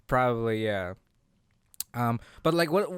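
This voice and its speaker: A man's voice: mid-range voice, animated, unhurried, clear, resonant tone, dry recording. A man co-hosting a casual podcast chat, talking hesitantly and often searching for his words. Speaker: podcast co-host.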